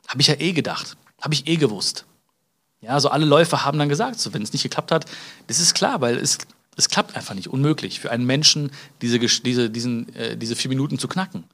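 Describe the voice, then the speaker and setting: A man's voice: mid-range voice, expressive, brisk, a bit bright. A man from Germany talks through a casual self-help podcast, speaking directly to the listener. His voice sits in an ordinary middle range. He hesitates and restarts often, filling gaps with small sounds and tag questions. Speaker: podcast host.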